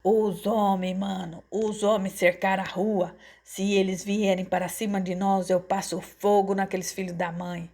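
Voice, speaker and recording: A woman voicing a hot-headed young male gangster with a hoarse, threatening delivery in an audiobook story. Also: medium pitch, flat delivery, unhurried, hardly any pauses, warm tone. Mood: panicked. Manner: aggressive, threatening.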